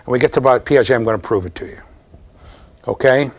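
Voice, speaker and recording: Animated man lecturing a class. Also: medium pitch, a little fast. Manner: animated, explaining with frequent "okay?" and "right?" checks. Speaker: university lecturer. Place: classroom with bookshelves.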